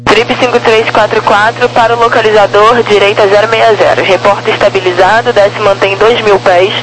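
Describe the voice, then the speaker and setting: A woman's voice: mid-range voice, fairly even intonation, brisk. A woman with a Brazilian accent giving clipped, procedural instructions as an air traffic controller over aviation radio. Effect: aviation radio transmission. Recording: noisy aircraft radio channel with hum.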